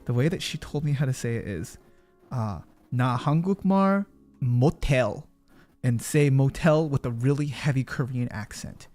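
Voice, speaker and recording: A man hosting a casual stream, chatting in an animated way and laughing often. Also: mid-range voice, normal speed, faint music behind. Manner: animated, laughs often, usually shouts into mic. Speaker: streamer host. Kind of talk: casual chat while crocheting.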